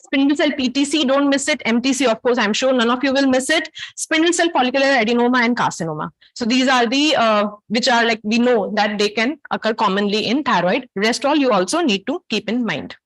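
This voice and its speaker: A woman with a South Asian accent lectures as a medical teacher, quizzing her listeners in an interactive, didactic style. Her voice is fairly high and fairly quick, with hardly any pauses, and the recording is rough.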